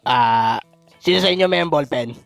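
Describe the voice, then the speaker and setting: Guy doing a raspy drunk dad, kinda high, blustery and rude, faint music behind. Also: lively intonation, moderate pace. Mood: gruff. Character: gruff drunk father, short-tempered and crude. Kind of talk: fan dub parody.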